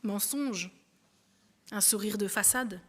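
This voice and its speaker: A woman giving a lively, conversational sermon, talking through an illustration with a helper and the congregation. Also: mid-range voice, slow, husky. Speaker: preacher. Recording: long hall reverb.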